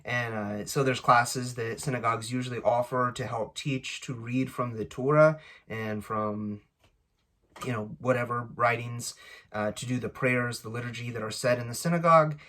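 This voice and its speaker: A man speaking casually and unscripted as host of a language-learning channel, often halting as he searches for his words. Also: mid-range voice, bright, forceful tone. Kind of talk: casual unscripted introduction to camera.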